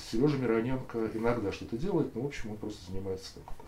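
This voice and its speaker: A man's medium-pitched voice at a very fast pace, with audible room echo. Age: 60s. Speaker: artist. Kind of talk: oral history interview.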